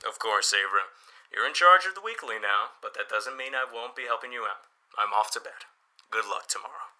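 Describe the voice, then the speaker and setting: A man's voice: medium pitch, animated, a little fast, pushed and bright, slight background noise. A man playing a helpful, easygoing small-town newspaper boss in an audio drama, chatty and encouraging as he explains things. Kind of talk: audio drama dialogue, conversational.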